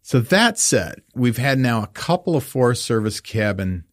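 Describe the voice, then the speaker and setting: A man's voice: mid-range voice, very animated, moderate pace, no room sound, studio quality. A man co-hosting a podcast, chatting casually with a wry, teasing humor. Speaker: podcast co-host. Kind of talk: casual chat.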